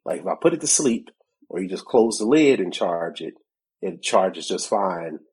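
Man, deep voice, very husky, congested, casual podcast co-host, animated storytelling. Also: normal speed. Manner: chatty, laughs often, acts out both sides of a conversation. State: congested from a cold. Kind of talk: casual tech podcast chat.

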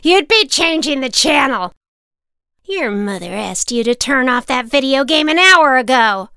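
A woman voicing a fierce, sharp-tongued old woman who scolds children in a cackling, drawn-out way. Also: sits high, lively intonation, smooth, no room sound, clean studio sound, pitched above the performer's own voice, exaggerated voice. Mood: scolding.

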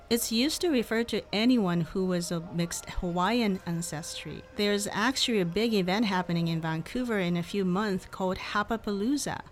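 A woman's voice: medium pitch, slight background noise, natural voice. A young woman playing a chatty, upbeat student friend. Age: young adult.

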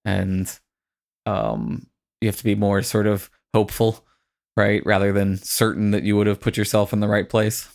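A man hosting a podcast in casual, reflective talk, choosing his words tentatively in a creaky voice. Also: fairly low pitch, moderate pace, darkish tone. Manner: thoughtful, tentative phrasing. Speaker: podcast host.

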